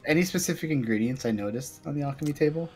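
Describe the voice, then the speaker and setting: A man's voice: fairly high pitch, quick pace, crowd noise. A man playing a tabletop roleplay game, chatting casually and thinking aloud in a tentative way. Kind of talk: casual improvised roleplay chat.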